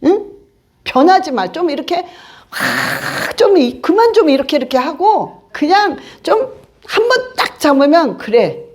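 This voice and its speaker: A woman pastor preaching a sermon in an animated, colloquial way, acting out voices as she goes. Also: sits high, measured pace. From Korea. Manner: animated, colloquial, acts out voices of spirits and doubters.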